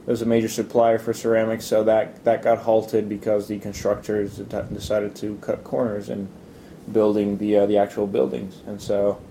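A man with a very dark, soft-edged voice gives casual interview answers. His pitch sits fairly low and moves little, and he explains things in a measured, hesitant way over a faint low rumble. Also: flat delivery. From Italy. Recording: low rumbling background noise.

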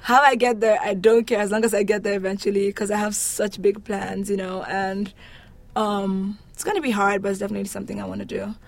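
A young woman from Nigeria with a Nigerian accent, a university student answering interview questions in an animated, emphatic, casual way. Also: mid-range voice, brisk, creaky. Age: young adult.

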